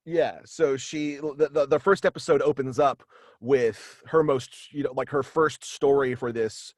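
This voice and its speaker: A man in his thirties casually explaining his creative work as an interview guest, in a halting, meandering way. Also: medium pitch, steady tone, dry recording, clean studio sound. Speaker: guest, voice actor and writer. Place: small indoor home setup, video call.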